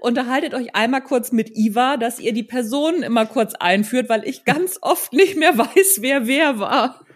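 A woman's voice: a little high, moderate pace, hardly any pauses. Woman interviewer, casual and conversational.

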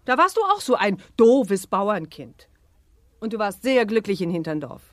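Woman acting an animated, firm mother, close dry sound. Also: medium pitch, moderate pace, no echo, lightly acted. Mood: patient, reproving. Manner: pointed, persuasive, motherly. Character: patient but firm mother talking to her daughter. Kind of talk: German children's audio drama acting.

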